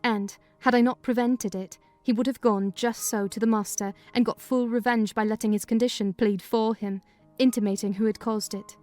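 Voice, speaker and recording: A woman giving a dramatized first-person reading of a classic novel in measured, clear storytelling. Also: on the high side, fairly even intonation, warm tone, faint music behind. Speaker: reader of a novel.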